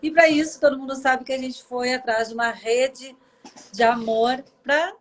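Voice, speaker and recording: On a live video chat, the host, a Brazilian woman in her forties, speaks at normal speed in a high-pitched, steady tone with a Brazilian Portuguese accent. Warm and chatty, she tells emotional personal stories, recorded through a video call.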